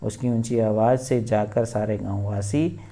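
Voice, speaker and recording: A man's voice: fairly low pitch, steady tone, a little slow, warm tone. A man teaching a textbook lesson, reading and explaining each line word by word.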